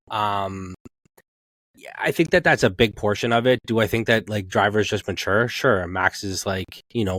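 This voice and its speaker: A man's voice: fairly low pitch, fairly bright tone, no echo. A man co-hosting a podcast, chatting casually about sports in a colloquial, rambling way and slipping into imagined quotes. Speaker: podcast co-host.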